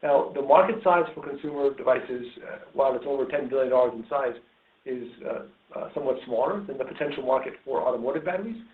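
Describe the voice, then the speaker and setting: Guy exec on an earnings call, lots of ums and pauses, thin phone sound, roomy echo. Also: medium pitch, phone-quality sound. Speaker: company executive. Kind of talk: answering questions on an earnings call. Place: conference call.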